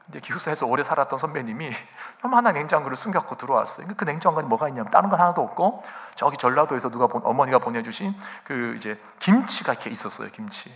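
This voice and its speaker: Gravelly, bright-voiced male pastor preaching. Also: mid-range voice, rapid-fire, few pauses. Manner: animated storytelling, addresses the congregation with rhetorical questions. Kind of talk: sermon. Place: church sanctuary.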